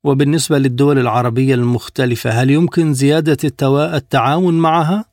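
A male broadcast host puts questions in formal Standard Arabic. He talks at a fast clip with a gravelly edge, and the sound is dry and close. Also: mid-range voice, fairly even intonation, a little mellow, no echo. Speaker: radio interview host.

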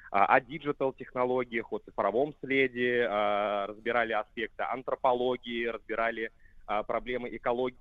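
A man's voice: medium pitch, dry recording. Man on a tinny phone line. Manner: fluent, eager, many filler "a" sounds. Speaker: guest on the phone.

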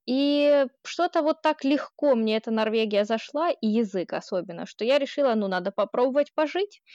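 A woman's voice: medium pitch, no room sound, highs cut off. A woman from Ukraine with a Ukrainian accent, chatting as a guest and laughing often as she talks. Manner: laughs often while speaking, warm and chatty. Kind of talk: casual conversational interview.

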